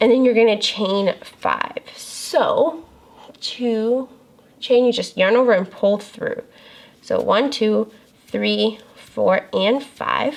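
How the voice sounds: A woman's raspy, high-pitched put-on character voice, very slow, with long, frequent pauses.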